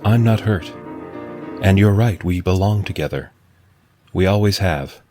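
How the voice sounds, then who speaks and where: An actor playing a gentle, devoted male companion robot in a radio drama, speaking softly and soothingly. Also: sits low, a little slow. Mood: tender. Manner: soft, soothing and tender. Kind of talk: golden-age style radio play acting. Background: music score.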